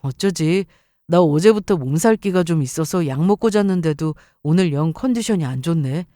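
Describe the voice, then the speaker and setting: A woman voicing a considerate, practical young fiancé in a story, gentle and matter-of-fact. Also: fairly low pitch, expressive, moderate pace, dry recording, clean studio sound, close to an everyday voice. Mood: apologetic.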